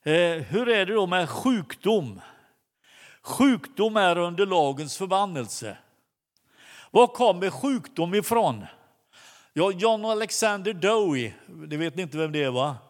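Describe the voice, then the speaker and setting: A man preaching a sermon, telling a story with many halting restarts. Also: high-pitched, big pitch swings. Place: church hall. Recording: long hall reverb.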